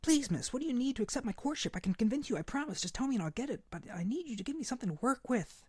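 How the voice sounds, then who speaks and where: A man's voice: extremely high pitch, racing, slightly rough, no room sound, clean studio sound, full character voice. A man playing a hyper, naive and desperate harpy boy in an ASMR character roleplay, earnest and pleading. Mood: anxious, pleading. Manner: pleading, excitable, stammering, earnest.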